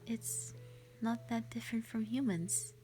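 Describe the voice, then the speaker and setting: A woman acts out a kindly, lonely white dragoness from an audio roleplay. The voice is mellow and whispery, moving slowly and carefully with sweet, formal reassurance. Music plays behind it. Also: a little high, fairly even intonation, natural voice. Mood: shy, friendly. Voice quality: soft, breathy, often whispery. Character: gentle, lonely female white dragon, kind to humans. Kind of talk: roleplay audio drama, addressing the listener.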